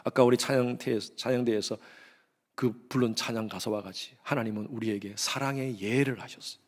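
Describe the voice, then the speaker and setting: A middle-aged man preaching a sermon as pastor, swinging between loud exhortation and hushed, low tones. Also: fairly even intonation, a little fast.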